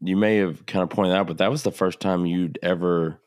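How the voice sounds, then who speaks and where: A man in his thirties co-hosting a podcast, talking casually and getting animated when he makes a point. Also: low voice, fairly quick, dry recording, studio quality. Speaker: podcast co-host.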